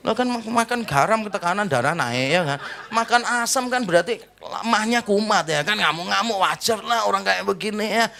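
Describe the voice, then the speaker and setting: A middle-aged man preaching a sermon as pastor, lively and joking, shifting between loud exclaims and slow, quiet emphasis. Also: high voice.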